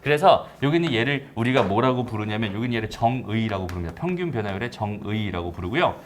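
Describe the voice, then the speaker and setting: A man teaching a recorded math lecture in a casual way, often checking understanding with quick tag questions. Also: on the low side, lively intonation, a little hiss or hum.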